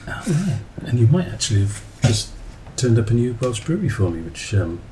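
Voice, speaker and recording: A man's voice: medium pitch, big pitch swings, a little fast, background noise. A man in his forties hosting a podcast in a casual, rambling way, often correcting himself as he goes. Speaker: podcast host. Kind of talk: casual chat, podcast introduction.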